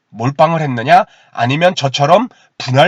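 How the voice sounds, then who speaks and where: A man's fairly high, somewhat breathy voice, dry and close with no echo, against a quiet background. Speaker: stock trading youtuber. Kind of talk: tutorial. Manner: formal.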